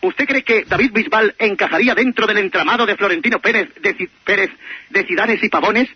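A man's voice: sits high, fairly quick, breathy edge, no room sound, lo-fi sound. A man playing a mock-official pollster in a comic prank call, pushing his questions. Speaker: prank caller posing as pollster.

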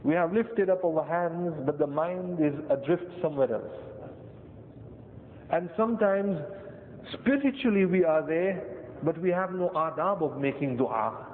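Male Muslim preacher, South Asian accent, deliberate phrasing with repeats; reverberant, phone-thin sound with some rumble. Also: expressive. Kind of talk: sermon. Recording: tinny band-limited echoey hall, rumbly noise.

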